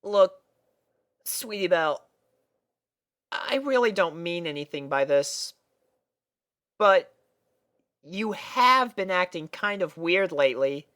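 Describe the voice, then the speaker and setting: A woman's voice: on the low side, expressive, slow pace, long pauses, a bit bright, pitched above the performer's own voice. A woman voicing a brash, tomboyish young pegasus filly in a story reading, blunt and casual but loyal. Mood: guilty, concerned. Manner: blunt, exclamatory, casual slangy talk.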